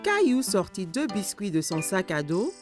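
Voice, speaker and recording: Female narrator for kids' cartoon: lively, expressive storyteller, mid-range pitch, music underneath. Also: normal speed. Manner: expressive storytelling in simple sentences. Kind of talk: scripted children's story narration.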